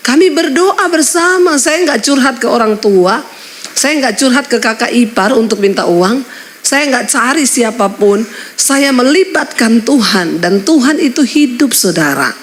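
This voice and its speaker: A middle-aged woman pastor preaching a sermon in church, telling stories with sudden high exclamations. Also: lively intonation, a little slow.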